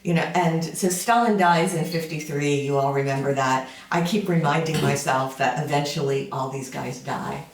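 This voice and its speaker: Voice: mid-range voice, normal speed, hardly any pauses. A lecturer in their fifties giving an informal summer school talk, conversational and full of fillers, with wry asides. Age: 50s. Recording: roomy sound from a distant mic.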